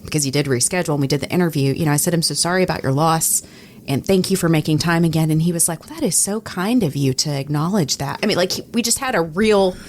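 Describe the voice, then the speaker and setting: A woman's voice: deep voice, fast, a little mellow, a little hiss or hum. A middle-aged American woman co-hosting a show, sharing stories in casual conversation. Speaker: podcast co-host, radio personality. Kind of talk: casual chat.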